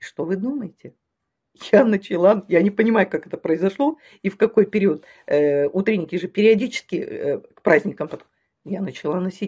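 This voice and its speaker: Against a quiet background, a woman with a dark, mellow tone uses lively intonation, big swings in loudness and long, frequent pauses. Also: moderate pace. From Russia. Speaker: kindergarten worker giving testimonial. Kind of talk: video testimonial. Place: home room. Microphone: phone near.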